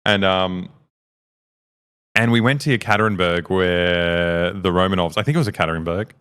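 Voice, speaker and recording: A man's voice: sits low, steady tone, normal speed, a bit bright, smooth. A male streamer co-host in casual livestream chat, telling loose, sweary, rambling stories.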